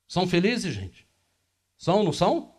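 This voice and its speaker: A man in his fifties with a fairly high voice gives a talk at a spiritist center. He speaks conversationally, asking the audience questions as he moves and gestures. The camera picks him up from across a small meeting room. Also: huge pitch swings, moderate pace, a little mellow, slightly rough.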